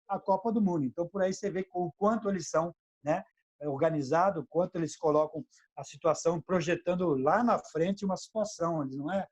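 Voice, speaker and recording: A middle-aged former footballer with a Brazilian Portuguese accent chats casually in an interview over a video call. His fairly high, slightly mellow voice comes through dull, dry and lo-fi with no room sound, and he stumbles, repeats words and ends remarks with "né?".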